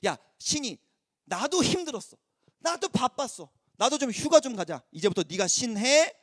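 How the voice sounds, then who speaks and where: A man's voice: very high-pitched, big pitch swings, normal speed, heavily acted. A man voicing a tired male God who grumbles offhandedly about wanting a break, told within a sermon story. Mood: weary.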